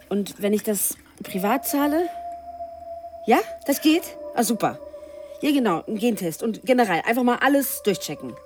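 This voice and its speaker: A woman's voice: medium pitch, natural voice. An actress playing a dry, unflappable female colleague in a radio play.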